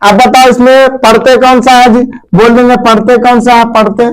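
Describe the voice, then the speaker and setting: A man's voice: very high-pitched, level tone, normal speed, clean tone, poor audio. A man teaching a grammar lesson to pupils at a board, repeating key words and quizzing them. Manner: addresses pupils as "मेरे प्यारे बच्चों".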